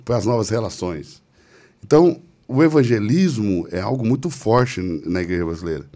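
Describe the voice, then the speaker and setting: A man's voice: lowish voice, animated, a little fast, mellow. A man hosting a church podcast, sharing reflective thoughts in casual conversation. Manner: reflective, thinks aloud. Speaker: podcast host. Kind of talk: casual chat.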